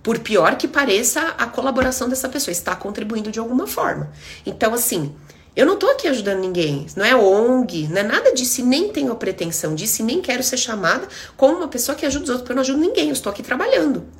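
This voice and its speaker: A Brazilian-accented woman in middle age, holding forth on a live stream as a therapist. Her voice sits fairly high and swoops up and down with lively expression. She talks bluntly and with emphasis, playing out little exchanges as she goes. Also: fast talker. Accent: Brazilian Portuguese. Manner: blunt, emphatic, acts out dialogue. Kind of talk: casual live-stream monologue.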